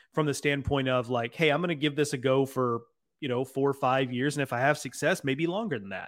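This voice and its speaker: In a very clean recording with a silent background and a dry, close sound with no echo, a man speaks in a normal speaking voice at medium pitch with ordinary pitch variation. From Texas. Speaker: college baseball writer. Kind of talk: casual chat.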